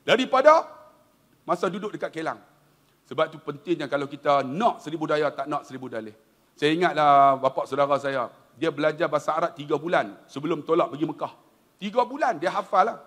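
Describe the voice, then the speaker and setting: In a fairly high, slightly quick voice, a middle-aged man with a Malaysian Malay accent preaches a humorous religious lecture. His stories are animated, and he frequently speaks straight to the crowd as tuan-tuan.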